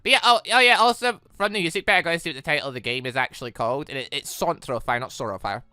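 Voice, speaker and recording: A gaming YouTuber giving casual, rambling, expressive let's play commentary on a visual novel, speaking emphatically. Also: mid-range voice, rapid-fire, smooth, no echo. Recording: game music playing behind voice. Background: visual novel game music.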